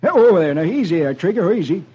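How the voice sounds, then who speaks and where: A man voicing a brisk, commanding cowboy hero in a radio comic-strip reading. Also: high voice, very animated, dark tone, husky, full character voice. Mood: hearty. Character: hearty heroic cowboy man. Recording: dull old radio broadcast, faint hiss.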